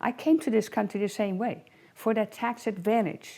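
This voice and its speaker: A woman's fairly high voice with a dark, mellow tone and a Dutch accent, at a fairly slow pace, on a very clean recording with a silent background. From Netherlands. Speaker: real estate broker. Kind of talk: interview.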